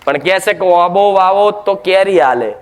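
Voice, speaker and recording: A man's voice: high-pitched, normal speed, some chatter behind. A man preaching a devotional sermon, emphatic and scolding, full of rhetorical questions.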